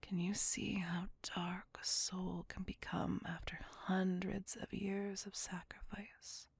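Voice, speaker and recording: A woman voicing a tormented, possessive female vampire centuries old, whispering slowly and intimately into a close microphone in an ASMR roleplay. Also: lowish voice, level tone, creaky, husky, no echo, exaggerated voice. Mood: brooding menace. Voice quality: whispered throughout. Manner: slow, brooding, intimate.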